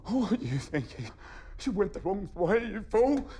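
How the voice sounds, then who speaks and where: A man's voice: high-pitched, very animated, moderate pace, dark tone, a little hiss or hum. An actor playing a frantic male crew member who snaps accusations in a film. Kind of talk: film acting.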